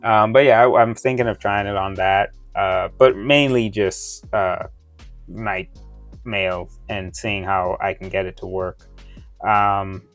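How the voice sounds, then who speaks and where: A man wearing dental retainers that give him a slight lisp, chatting casually through an unboxing review in a halting, rambling way. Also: fairly low pitch, steady tone, fairly bright tone, faint music behind. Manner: halting, rambling, often losing his thread. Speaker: toy review vlogger. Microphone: close microphone within his reach.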